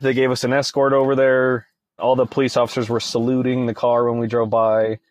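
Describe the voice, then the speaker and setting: A man's voice: mid-range voice, completely flat delivery, a little fast. A young man speaking as a guest in a casual interview, retelling events conversationally and leaning on "you know" fillers. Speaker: podcast guest.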